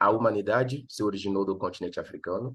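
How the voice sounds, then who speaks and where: A man's voice comes across as somewhat breathy. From Benin. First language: a Beninese local language (speaking Portuguese). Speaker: professor and educator. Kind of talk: lecture. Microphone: phone internet connection, no headphones.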